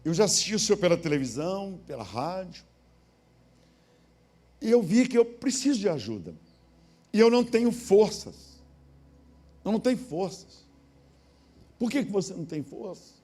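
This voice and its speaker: Middle-aged Brazilian man, high-pitched pastor who preaches through lively acted-out stories. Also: moderate pace, pauses often. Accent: Brazilian Portuguese, Minas Gerais. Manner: storytelling sermon, acting out dialogue in many voices, bursts of shouting. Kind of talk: sermon. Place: church sanctuary.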